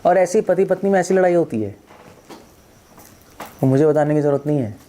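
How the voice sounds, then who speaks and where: A man's voice: on the high side, a little fast. A man, a monk who was once a doctor, giving a spiritual talk and telling stories that act out what people think and say. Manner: animated storytelling, acts out quoted thoughts and repeats phrases. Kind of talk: spiritual discourse.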